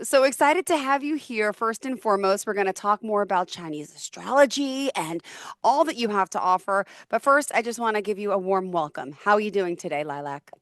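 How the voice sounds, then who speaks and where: Woman podcast host, bubbly, effusive, mid-pitched, dry close sound. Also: no room sound. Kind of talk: interview hosting.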